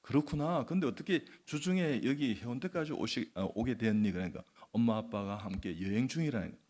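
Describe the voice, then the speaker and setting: A man's voice: medium pitch, brisk, darkish tone. An older man from the region, a church elder, telling a story during a sermon and acting out the people in it. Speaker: church elder and guest preacher. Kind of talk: sermon testimony.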